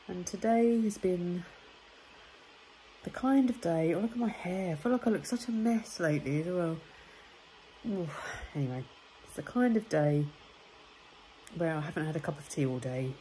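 A woman in her forties talks casually into a phone held at arm's length, her voice low and mellow. Her nose sounds blocked, giving a congested tone, and a faint hiss of background noise sits behind her. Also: moderate pace, low-quality recording. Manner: chatty, chirpy and warm. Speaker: vlogger. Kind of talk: casual daily vlog chat. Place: home and car, indoors. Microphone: phone camera at arm's length.

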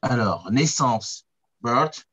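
A man's voice: mid-range voice, expressive, drawn-out words, a bit bright, breathy edge. A man reciting English vocabulary in an online class, hesitant and careful, heard over call audio. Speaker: student.

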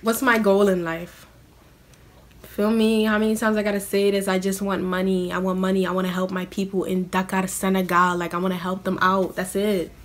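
A woman's voice: mid-range voice, flat delivery, moderate pace. A young woman from the US answering viewer questions to camera in a small room, blunt and casual, full of "like" fillers. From United States. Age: young adult. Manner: blunt, casual slang-heavy, many "like" fillers. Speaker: vlogger.

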